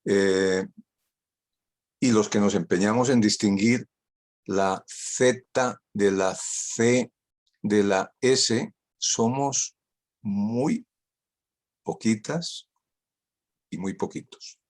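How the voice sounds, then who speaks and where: Speaking extremely slowly and pausing often, an older Spanish man whose mother tongue is Catalan presents a guest talk over video call in a lowish voice. He's witty and ironic, hammering home important phrases by saying them again.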